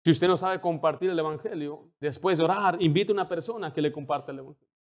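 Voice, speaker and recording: A man with a high-pitched voice delivers a sermon as a pastor. He builds in intensity as he goes and slips into the voices of the people he quotes. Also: fast talker. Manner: preaching with rising intensity, acting out quoted dialogue.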